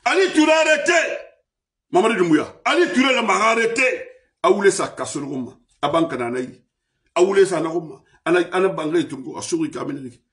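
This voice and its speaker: Male commentator, fiery rant, high-pitched, voice set back from the mic. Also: lively intonation, fairly quick, recorded from a distance. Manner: shouting accusations, swinging between loud and low. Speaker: political commentator. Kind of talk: impassioned political rant.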